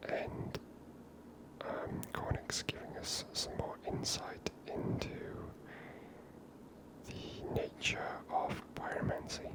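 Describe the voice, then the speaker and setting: A host giving soft, relaxed, whispered commentary over a video game, chatty and unhurried. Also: low-quality recording. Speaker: ASMR gaming channel host.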